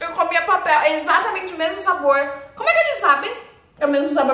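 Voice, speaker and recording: A woman talks at a very fast pace in a raised, projected voice with an animated tone. Audible room echo surrounds her. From Brazil. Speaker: YouTuber. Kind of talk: casual chat. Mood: playful, joking, disgusted reactions. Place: home room.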